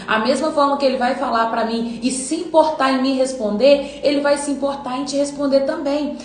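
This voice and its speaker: A woman's voice: sits high, reverberant, rough recording. A woman giving an earnest devotional Bible teaching, acting out quoted voices as she preaches.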